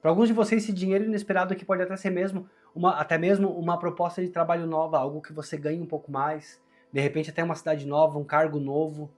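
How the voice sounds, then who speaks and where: Brazilian man with strained, sore-throated, higher voice. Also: flat delivery, quick pace, few pauses, faint music behind. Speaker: tarot reader, channel host. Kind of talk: conversational tarot reading to viewers.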